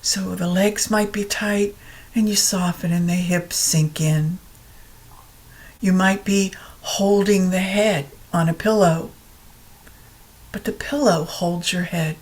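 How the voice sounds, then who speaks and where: A woman teaching yoga nidra, guiding a meditation in a calm, soothing, unhurried way with long pauses. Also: mid-range voice, low-quality recording. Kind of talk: guided meditation narration.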